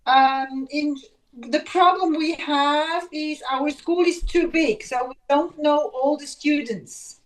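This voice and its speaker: A woman from Switzerland, a German-speaking teacher, chatting in English and pausing often to find her words. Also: sits high, poor audio. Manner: hesitant, searching for English words. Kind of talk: casual call-in chat.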